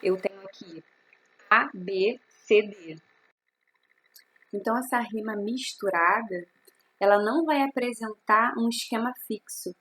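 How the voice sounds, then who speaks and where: Husky-voiced woman teaching literature. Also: medium pitch, unhurried, long pauses, fairly bright tone. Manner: explains step by step, asks and answers own questions. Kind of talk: recorded class explanation.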